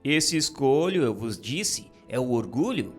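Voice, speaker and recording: Male narrator, solemn scripted spiritual reading, unhurried delivery with lively intonation over background music. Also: mid-range voice.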